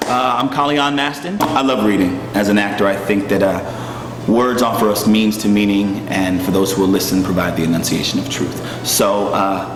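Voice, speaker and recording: A man talking casually to online viewers in a low-key, hesitant, informal way. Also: fairly even intonation, moderate pace, echoey room, long reverb tail, music in the background. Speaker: actor, reader addressing online viewers.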